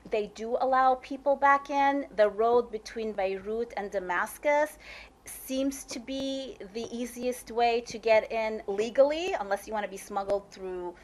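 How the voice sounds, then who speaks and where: A woman answering audience questions after a talk, talking quickly with many restarts and "like". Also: on the high side. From United States. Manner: talks fast, with frequent restarts and "like". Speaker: guest speaker. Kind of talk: lecture Q&A answers. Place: lecture room.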